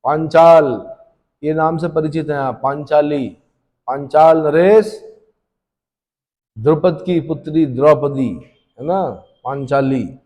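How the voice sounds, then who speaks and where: Quizzing history teacher, echoing room. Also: male voice, fairly high pitch, slow pace, pauses often, darkish tone. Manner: asks students questions and answers them himself. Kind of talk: classroom lecture for exam prep. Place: classroom. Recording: long reverberant room echo.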